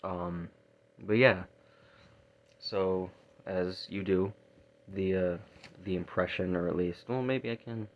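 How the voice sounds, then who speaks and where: A man talking casually in a video diary, halting and rambling, often repeating words and trailing off. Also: low voice, fairly even intonation. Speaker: vocal student keeping a practice diary. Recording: dull lo-fi recording.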